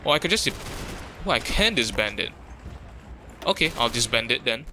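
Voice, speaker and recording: A man's voice: mid-range voice, sing-song, moderate pace, pushed and bright, a little hiss or hum. A young man from Singapore, thinking aloud in loose, chatty let's-play commentary. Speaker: gaming YouTuber.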